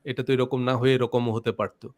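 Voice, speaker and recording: A man's voice: mid-range voice, little pitch movement, brisk. A man hosting a casual debate, laying out his position step by step. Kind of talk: casual debate on a live stream.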